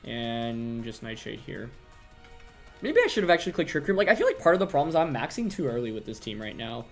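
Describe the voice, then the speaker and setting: A young man narrates his own competitive match, thinking aloud and questioning each move. His voice jumps around with lively pitch. Quiet background music sits under his desk-mic commentary. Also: fairly quick. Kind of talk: live gameplay commentary.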